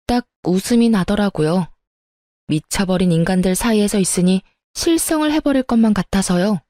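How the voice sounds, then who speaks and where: A woman narrating a first-person story from a script, lively and sharply sarcastic. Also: mid-range voice, moderate pace, no room sound, studio quality.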